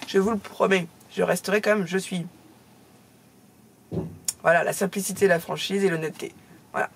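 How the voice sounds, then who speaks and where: A middle-aged woman chatting casually to her viewers as she opens fan mail, talkative and quick to laugh. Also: fairly low pitch, fairly even intonation, gravelly, a little hiss or hum. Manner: chatty, laughs often, exclaims. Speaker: craft YouTuber opening fan mail. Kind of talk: casual chat to camera.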